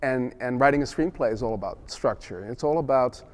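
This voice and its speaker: A middle-aged man from the Netherlands, Dutch by first language, talks about his work in an easygoing interview. He rambles, restarts his sentences and leans on fillers, and his pitch sits in a plain middle range. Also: brisk, a little mellow. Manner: rambling, many restarts and "you know". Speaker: film director. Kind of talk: casual interview answers.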